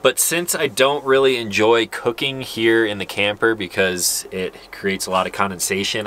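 A man's voice: fairly low pitch, fairly bright tone, a little hiss or hum. A man in his thirties chatting casually to camera as a vlogger inside a small truck camper.

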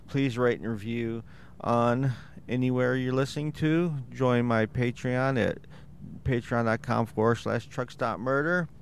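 A man's voice: mid-range voice, clean tone. Congested, slightly wheezy male podcast host. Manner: rambling, self-deprecating. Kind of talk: casual true-crime podcast monologue.

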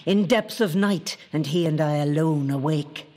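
A woman's voice: low voice, measured pace, dark tone. A woman playing the possessive, capricious spirit of a lake in a poetic audio drama, speaking in an intimate, incantatory way.

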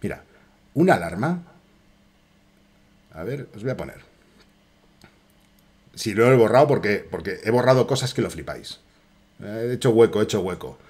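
A man with a Spain Spanish accent, commenting live on a horror game he is playing, with frequent swearing and excited outbursts at enemies and chat. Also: fairly low pitch, normal speed, long pauses, breathy edge. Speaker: streamer.

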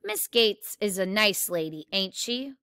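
A woman's voice: medium pitch, expressive, measured pace, sharp tone, smooth, dry recording, studio quality. A woman voicing a blunt, curious young tomboy girl with earnest questions in a read-aloud novel.

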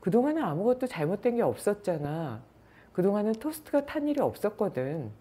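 A woman's voice: mid-range voice, very animated, a little fast, warm tone, slightly rough, voice pushed up. A woman voicing a young boy who speaks bluntly and matter-of-factly.

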